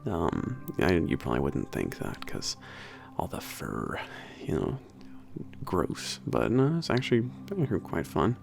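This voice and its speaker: A laid-back young werewolf trainer at a spaceport, acted by a man, speaks in a deep voice full of vocal fry. He is halting and informal, a little gruff, mumbling and trailing off as in an intimate ASMR roleplay. Soft music plays behind him. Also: wildly swooping pitch, exaggerated voice. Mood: relaxed, nostalgic. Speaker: workplace trainer. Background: soft background music.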